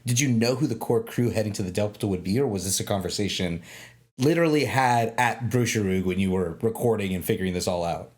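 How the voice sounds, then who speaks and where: A man's voice: on the low side, fast talker, darkish tone. A man hosting a podcast roundtable, asking long rambling questions and gushing over the story. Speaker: podcast host, lore keeper. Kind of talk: casual roundtable chat.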